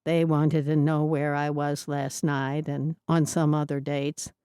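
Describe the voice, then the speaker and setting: A woman reading as a gentle, earnest Amish young man. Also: deep voice, little pitch movement, measured pace, clear, resonant tone, dry recording, clean studio sound.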